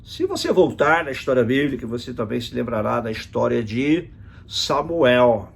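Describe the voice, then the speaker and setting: A man's voice: medium pitch, big pitch swings, normal speed, vocal fry, breathy edge. A man, teaching a virtual Bible study as a pastor, explaining a passage and reading verses aloud with emphasis.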